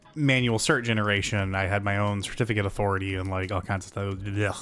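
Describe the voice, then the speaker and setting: Over background music, a man rattles along at a very fast pace with a fairly low pitch and fairly even intonation. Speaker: tech YouTuber. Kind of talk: tutorial. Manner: halting; casual.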